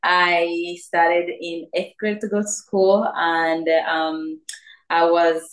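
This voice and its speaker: A young woman from Congo, raised in Uganda, answering interview questions earnestly with many pauses and fillers. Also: lowish voice, little pitch movement. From Democratic Republic of Congo, raised in Uganda. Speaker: guest, nonprofit founder. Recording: roomy echo.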